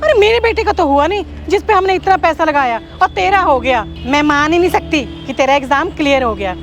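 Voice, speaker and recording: A woman's voice: high voice, expressive, a little fast. An actress playing a scolding older woman who disbelieves and rebukes the young woman. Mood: incredulous. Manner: scolding, incredulous. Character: sharp-tongued older woman, mother-in-law or aunt.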